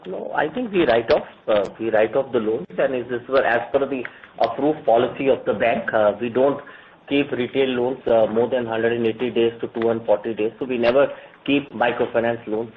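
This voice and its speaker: A man's voice: medium pitch, normal speed, a little hiss or hum. Indian-accented male executive on tinny phone line. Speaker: bank executive answering analysts. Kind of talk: earnings call question and answer. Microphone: telephone conference line.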